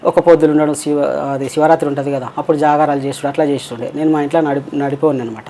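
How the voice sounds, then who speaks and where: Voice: mid-range voice, fairly even intonation, quick pace, mellow, slight background noise. A transgender interview guest with a Telangana Telugu accent, telling long rambling personal stories and acting out quoted voices. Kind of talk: casual storytelling.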